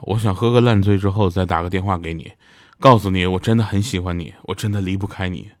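Recorded dry and in studio quality, a low-voiced man talks fast while promoting the radio dramas he voices. He spins funny stories in a chatty, casual monologue and laughs at his own punchlines.

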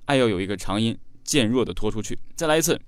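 Smooth-voiced male singing coach. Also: fairly low pitch, expressive, fast, dry recording, clean studio sound. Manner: talks learners through each line step by step, with frequent fillers. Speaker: singing teacher. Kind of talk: vocal coaching lesson.

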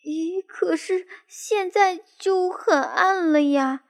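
A woman voicing a timid little boy mouse who trembles with fear, stammers and sometimes shouts, in a children's storybook. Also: high voice, normal speed. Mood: scared. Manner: fearful, trembling, breaks into shouts.

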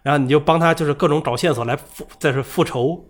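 A man chatting casually about a video game, retelling side stories in a rapid, rambling way with many fillers. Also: fairly high pitch.

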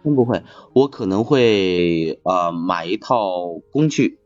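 A man in casual chat, talking haltingly and often repeating his phrases. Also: deep voice, animated. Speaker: podcast speaker, factory assembly worker. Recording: slightly dull, music behind. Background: music.

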